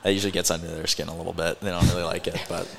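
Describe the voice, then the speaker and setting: A man's voice: deep voice, flat delivery, racing, vocal fry, a bit bright. A man, a hockey player, talking in a casual interview with laid-back, dry teasing.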